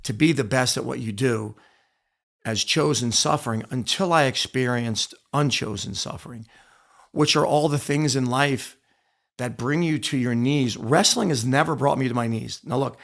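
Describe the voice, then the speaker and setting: Earnest middle-aged American man, gravelly edge. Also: mid-range voice, normal speed, a bit bright. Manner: earnest, emphatic, repeats phrases for weight. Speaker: podcast guest, author and former wrestler. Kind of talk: reflective personal storytelling in an interview.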